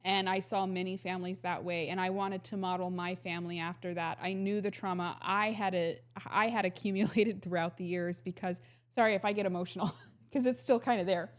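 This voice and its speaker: A woman's voice: on the low side, steady tone, fairly quick. A woman in her forties co-hosting a family podcast, speaking earnestly and personally. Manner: earnest, personal, with small laughs. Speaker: podcast co-host. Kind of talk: casual conversational talk.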